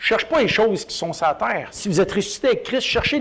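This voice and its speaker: Loud speech in a Quebec accent, with lively intonation, comes over noticeable background noise. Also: man. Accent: Québécois French. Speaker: pastor. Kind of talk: sermon. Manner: animated.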